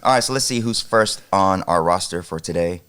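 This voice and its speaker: Low-voiced male podcast co-host. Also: a little fast, fairly bright tone, clear, resonant tone. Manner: upbeat, steering the show's segments. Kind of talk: reading news headlines and casual chat.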